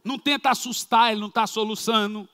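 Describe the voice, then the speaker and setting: Brazilian man, pastor, storytelling sermon, dramatic, high voice, church hall reverb. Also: fast talker. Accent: Brazilian Portuguese. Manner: lively, dramatic, shouted sound effects.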